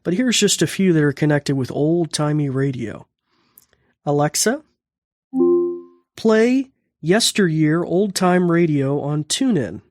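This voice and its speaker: A man's voice: fairly high pitch, animated, takes it slowly, pauses often, no room sound, studio quality. An American man hosting a podcast, giving a casual tutorial and calling out voice commands. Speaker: podcast host and instructor.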